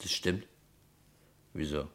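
An actor playing a wry, probing police detective in a German radio crime play, questioning sceptically. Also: male voice, very deep voice, takes it slowly, fairly bright tone, heavily acted. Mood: puzzled, insistent.

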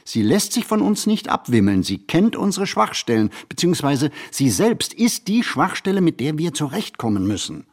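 A man reads a reflective literary monologue for a radio play, phrasing deliberately and expressively with pauses. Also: a little high, very animated.

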